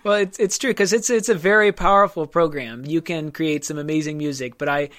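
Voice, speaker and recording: A man's voice: a little high, a little fast, a bit bright. A man hosting a casual podcast interview in an easygoing, friendly way. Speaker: podcast host.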